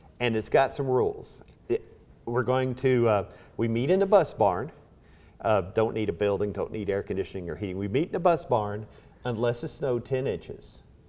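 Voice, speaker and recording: At a fairly quick pace, a man speaks with lively intonation. His pitch is medium and his tone is dark and mellow. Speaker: preacher. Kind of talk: interview.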